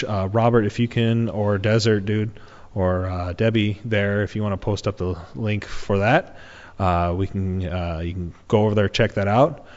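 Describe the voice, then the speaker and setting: A man with a fairly low voice gives casual closing announcements as moderator. He rambles and restarts often. The sound is dull and reverberant. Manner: rambling, many fillers and restarts. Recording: muffled with long reverb.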